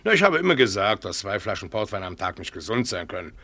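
An actor playing a sly older painter uncle who teases with ironic charm in a radio play. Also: male voice, fairly low pitch, sing-song, fast, sharp tone, heavily acted. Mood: mocking. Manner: teasing, ironic, playful.

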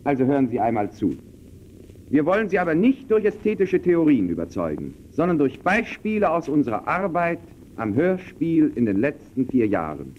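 A man's voice: on the high side, big pitch swings, moderate pace. A man playing an earnest radio pioneer, formally and emphatically explaining his art in a scripted 1920s German radio presentation. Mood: earnest, persuasive. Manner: formal, emphatic, crisply declamatory. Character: earnest male radio pioneer lecturing sceptical guests. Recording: dull, faintly noisy early radio recording.

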